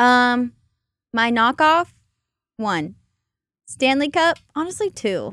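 At a very slow pace and with long, frequent pauses, a woman's high, bright, sharp voice makes very wide pitch swings in a very clean recording with a silent background. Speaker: podcast co-host. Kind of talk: casual chat. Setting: studio. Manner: relaxed.

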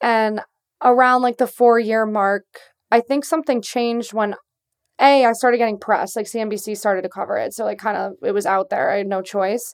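In an American accent, a woman with an ordinary speaking voice talks at a fairly quick pace, her fairly high pitch held to fairly even intonation. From rural upstate New York. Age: 20s. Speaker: freelance copywriter. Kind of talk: casual interview chat.

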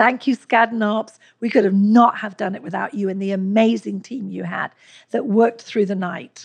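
A woman with an English accent speaks at medium pitch and a moderate pace, with fairly even intonation and big swings in loudness. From England. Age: 60s. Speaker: skincare company founder. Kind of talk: interview. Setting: studio.

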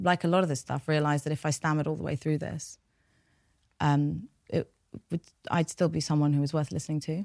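In a London accent, a woman with a very deep, low pitch speaks at a fairly quick pace with fairly even intonation and long, frequent pauses, on a very clean recording with a silent background and a dry, close sound with no echo. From North London, England. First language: Farsi. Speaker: behaviour change specialist, author. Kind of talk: interview conversation.

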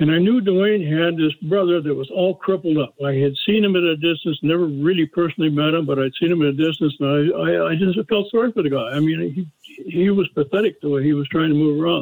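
Recorded in a dry, close sound with no echo, a man talks at a very fast pace with hardly any pauses, his fairly high pitch showing ordinary variation. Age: 80s+. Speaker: customer giving testimonial. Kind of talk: testimony.

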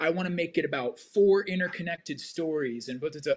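A man with a fairly high pitch and ordinary pitch variation has a plain, everyday voice. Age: 30s. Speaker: film director and actor. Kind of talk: casual interview.

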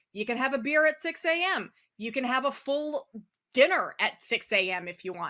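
A woman speaks in a high pitch with a bright, sharp tone and an American accent. Her raised, projected voice moves at a moderate pace with very wide pitch swings. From Minnesota. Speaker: sports betting radio co-host. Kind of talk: casual sports talk.

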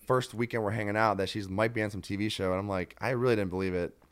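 A man with an American accent speaks in a normal speaking voice, fairly low in pitch, with fairly even intonation. The recording is very clean, with a silent background. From Ohio. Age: 30s. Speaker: music video director. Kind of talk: casual chat. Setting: living room.

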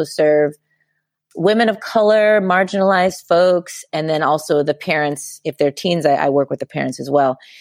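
Recorded very clean with a silent background and a dry, close sound with no echo, the speaker has a Californian accent and ordinary pitch variation. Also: woman. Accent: Californian American English. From Southern California. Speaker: psychologist. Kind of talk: interview. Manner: animated.

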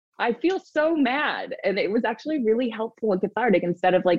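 A woman's fairly quick speech with lively intonation. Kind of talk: casual chat. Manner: loud talker; mirrors the way others talk.

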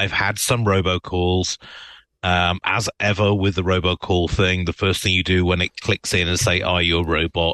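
A man with a British accent speaks in a very deep, low voice with a bright, sharp tone, very even loudness and flat, monotone intonation, recorded dry and close with no echo over a quiet background. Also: moderate pace. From Britain. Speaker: tech journalist. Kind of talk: casual chat.

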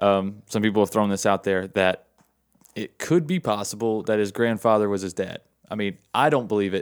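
A man with an American accent has a normal speaking voice, fairly low in pitch with ordinary pitch variation. He speaks at a moderate pace in a very clean recording with a silent background. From North Carolina. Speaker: true crime podcast co-host. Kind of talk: casual chat.

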